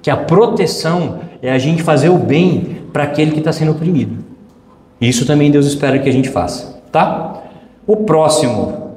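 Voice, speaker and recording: A man's voice: a little high, normal speed, darkish tone, a little hiss or hum. A man with a Brazilian Portuguese accent preaching a sermon, emphatic, repeating phrases and acting out quoted voices. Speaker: pastor. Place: church hall. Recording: echoey church hall with long reverb.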